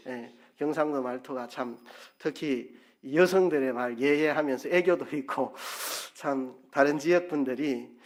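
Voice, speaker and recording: A male pastor preaching a sermon in a church, lively and playful, acting out tones of voice to make his point. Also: mid-range voice, a little slow, hardly any pauses. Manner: lively, playful, demonstrates intonation by repeating syllables. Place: church sanctuary.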